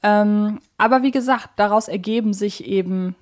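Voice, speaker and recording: A woman's voice: medium pitch, moderate pace, a little mellow. A woman hosting a podcast, talking casually in a reflective, explanatory way as she works through her points. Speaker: podcast host.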